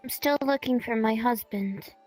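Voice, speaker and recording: A woman speaking softly and haltingly in character during a roleplay game. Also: on the high side, poor audio.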